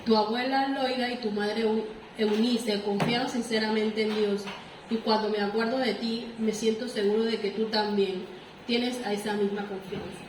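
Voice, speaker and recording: A woman reading a scripture passage aloud in a church, steady and measured. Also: on the high side, background noise. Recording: echoey church room.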